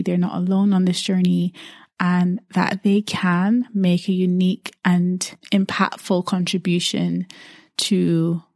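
A woman's voice: fairly low pitch, a little mellow, dry recording, clean studio sound. A woman from Barbados, probably in her thirties, hosting a podcast and talking about her life in an earnest, reflective way, often repeating words as she thinks. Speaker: podcast host.

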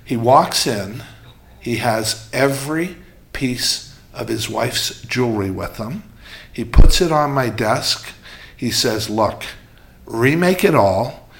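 A man chatting casually on a podcast, telling stories in a candid and emphatic way. His voice sits at an ordinary middle pitch. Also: takes it slowly, creaky, fairly bright tone. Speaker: jeweler and show host.

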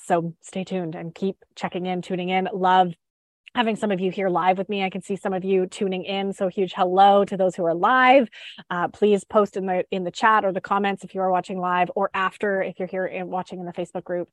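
A woman's voice: mid-range voice, no room sound. A woman hosting a podcast and live stream as a sugar freedom coach, chatty and upbeat, with a stuffed-up head cold. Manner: upbeat, chatty, with fillers and restarts. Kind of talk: casual live-stream talk.

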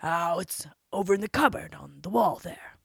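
A woman voicing a huge, gruff male giant who bullies and shouts slowly, with a breathy voice. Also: animated, no echo, studio quality, exaggerated voice. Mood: gruff dismissive. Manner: slow booming shouts.

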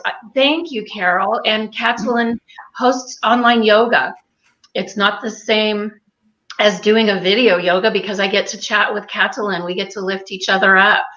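Chatty woman guest, bright tone, dull lo-fi call audio from a kitchen. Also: mid-range voice. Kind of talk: casual video call chat. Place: home kitchen. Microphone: video call.

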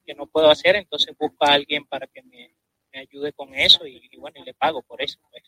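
Bright-voiced man, hesitant. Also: a little high, fairly even intonation, a little fast, husky, dry recording, poor audio. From Venezuela. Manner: hesitant, many fillers, laughs. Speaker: guest musician. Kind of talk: live interview.

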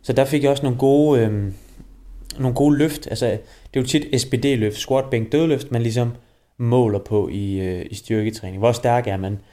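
A man from Denmark in his twenties, a personal trainer hosting a podcast and telling his own story in a relaxed, chatty way. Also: mid-range voice. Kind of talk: casual personal monologue.

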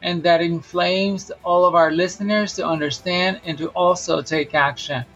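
A woman's voice: on the low side, fairly even intonation, normal speed, fairly bright tone, soft background music. A woman co-hosting a podcast, speaking in a formal, ceremonial style on a dull recording. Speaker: podcast co-host. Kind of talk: ceremonial podcast introduction and interviewing.

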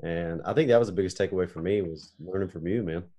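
Earnest man with a low voice. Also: fast, dark tone. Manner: earnest, reflective. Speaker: podcast guest, training student. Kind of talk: casual podcast chat.

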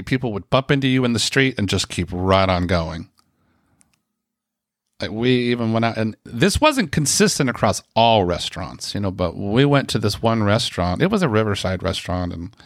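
A man's voice: fairly low pitch, fairly bright tone, no echo, clean studio sound. An American man, telling a personal story in a rambling, chatty way with lots of fillers and asides. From United States. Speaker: speaker sharing a personal story. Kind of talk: casual storytelling.

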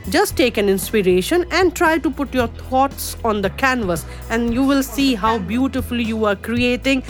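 In a casual interview, a middle-aged Indian woman whose first language is Urdu speaks as a guest artist, stopping and restarting frequently amid many fillers. Her fairly high voice has lively intonation, and music plays faintly behind.

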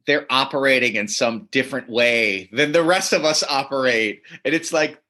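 A man in a relaxed conversation, telling stories with animated energy and frequent chuckles. He restarts sentences as he goes, and his voice sits at an ordinary middle pitch for a man. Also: normal speed. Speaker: comedy writer and teacher. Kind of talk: casual interview storytelling.

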